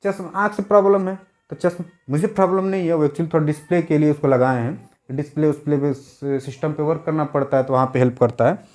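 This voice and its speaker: Man lecturing in a higher voice. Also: steady tone, fast, darkish tone. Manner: repeats key words, asks the class rhetorical questions. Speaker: teacher. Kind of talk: exam-prep lecture.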